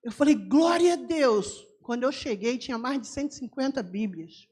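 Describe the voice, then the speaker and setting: A woman missionary speaking in a church service, telling her story with lively voice imitations. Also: on the high side, fairly quick, husky. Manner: animated storyteller, mimics voices of locals. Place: church sanctuary.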